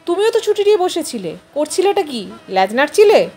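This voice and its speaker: A woman's voice: high voice, very animated, fairly quick, darkish tone. A woman voicing a fussy, indignant middle-aged wife who nags and complains, in an audio story. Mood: scolding, exasperated. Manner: nagging, complaining. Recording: music behind the voice.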